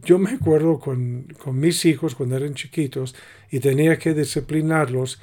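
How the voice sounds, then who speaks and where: A middle-aged man, calmly explaining parenting ideas in a casual conversation. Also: fairly high pitch, normal speed. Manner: calm, explanatory, acts out little example dialogues. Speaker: podcast co-host giving parenting advice.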